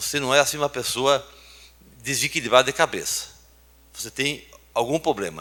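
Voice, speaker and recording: Speaking at a moderate pace, a man uses a fairly high pitch with vocal fry. His tone is bright and sharp. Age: 60s. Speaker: lay preacher. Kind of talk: sermon.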